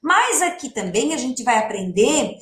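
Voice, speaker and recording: Slow, lively Brazilian woman teacher. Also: on the high side, roomy sound. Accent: Brazilian Portuguese. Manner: slow, drawn-out words, questioning the class. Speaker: primary school teacher. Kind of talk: online lesson for young children.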